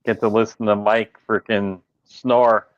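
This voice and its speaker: A low-voiced man chats in an easygoing way and mostly answers with short agreements. His sound is dull and lo-fi, as if the line were muffled, and it is dry. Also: flat delivery, measured pace, smooth, no room sound. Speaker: co-host. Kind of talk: casual chat.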